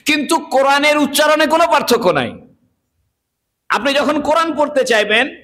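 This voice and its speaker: A man with a notably high voice delivers a sermon. He explains his points earnestly, step by step, and pauses for rhetorical questions to the congregation. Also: sharp tone. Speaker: Islamic preacher.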